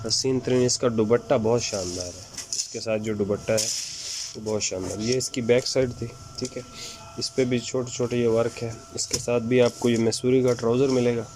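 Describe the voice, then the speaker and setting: A man with an unwell, sore-throated voice gives a casual online sales pitch item by item, repeating his catchphrases to viewers. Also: steady tone, moderate pace. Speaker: shop presenter selling women's suits. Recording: clear background noise, room ambience.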